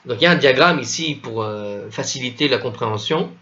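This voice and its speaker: A man's voice: mid-range voice, a little fast, pushed and bright. Man, lesson on a religious text, stumbling restarts, questions to listeners, dull lo-fi sound. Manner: explains patiently, often stumbles and restarts, asks the listeners questions. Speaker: teacher commenting a religious text. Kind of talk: lesson, reading a text aloud and explaining it.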